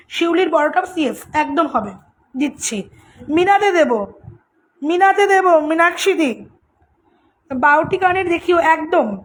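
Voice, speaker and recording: A woman selling jewelry on a live stream, in a flat, husky voice, chatting with viewers and repeating prices over and over. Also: very high-pitched. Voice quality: flat, husky voice, always so since childhood. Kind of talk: casual live-sale patter.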